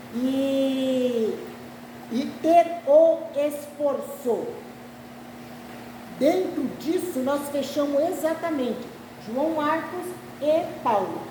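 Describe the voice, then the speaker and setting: A woman's high-pitched voice at a very slow pace, with long, frequent pauses, audible room echo and noticeable background noise. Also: ordinary pitch variation. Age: 60s. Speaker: Bible teacher. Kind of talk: lecture.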